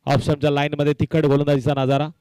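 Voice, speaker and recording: At a local cricket tournament, a man gives live commentary and announcements, emphatic and fond of repeating phrases for effect. His voice is on the high side with little pitch movement, fast, warm, and clean, in a dry recording.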